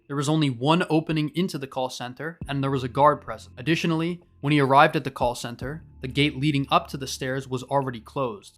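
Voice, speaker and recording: A man's voice: mid-range voice, a bit bright. A man giving scripted, documentary-style narration as a scambaiter presenting an investigation.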